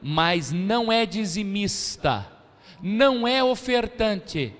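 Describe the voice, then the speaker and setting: A man's voice: sits high, very animated, slow pace, fairly bright tone. A man with a Brazilian Portuguese accent preaching a sermon as pastor, drawing call-and-response from the congregation and acting out the voices of church members. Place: church sanctuary, long reverb. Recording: hall reverb of a church service.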